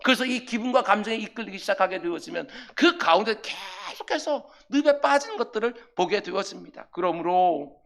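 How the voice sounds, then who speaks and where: A middle-aged male pastor preaching a sermon, building to loud, emphatic commands as he acts out scripture lines. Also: sits high, animated, fairly quick, vocal fry, few pauses.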